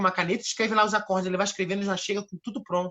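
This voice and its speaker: A man with a high pitch speaks in an animated tone. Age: 40s. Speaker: singing and vocal workshop instructor. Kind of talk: online workshop. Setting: live video call.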